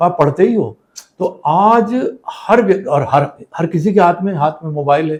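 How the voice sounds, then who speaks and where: The man talks at a moderate pace with ordinary pitch variation and long, frequent pauses. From India. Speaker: poet and broadcaster. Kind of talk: podcast interview answer.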